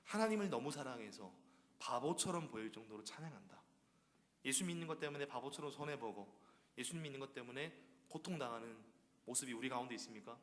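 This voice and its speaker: Animated preacher man in a reverberant church. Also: mid-range voice, a little fast. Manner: animated preaching full of rhetorical questions. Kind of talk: sermon. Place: church sanctuary. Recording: long church-hall reverb.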